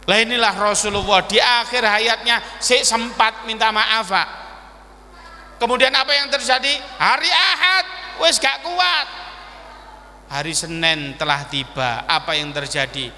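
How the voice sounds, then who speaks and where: A male preacher with a Malang Javanese accent tells a dramatic story in a mosque, acting out the voices and shouting at the peaks. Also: high voice, animated, a little slow. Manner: dramatic, switching between narration and acted voices, shouting at peaks. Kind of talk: sermon storytelling. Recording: long hall reverb.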